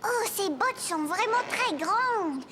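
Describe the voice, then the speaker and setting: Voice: very high-pitched, lively intonation, takes it slowly, heavy background noise, full character voice. A performer voicing a cheerful, curious four-year-old boy in a French children's cartoon, with an eager and simple childlike delivery.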